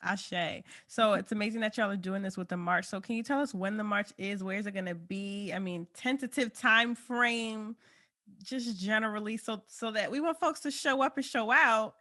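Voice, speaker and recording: A woman hosting a podcast asks her guests questions in a casual, encouraging way. Her voice is mid-pitched. She often answers with short affirmations. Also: normal speed, sharp tone. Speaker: podcast host.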